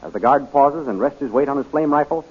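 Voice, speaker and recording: A man's voice: mid-range voice, fast, slightly rough. A man narrating and announcing a radio serial in a formal, declamatory, dramatic 1930s scripted style. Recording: thin, phone-like 1930s radio recording.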